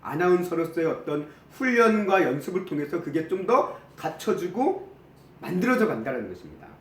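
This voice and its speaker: A man preaching a sermon as pastor, animated, acting out the quoted complaints. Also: fairly high pitch, moderate pace, echoey room, slight background noise. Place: church sanctuary.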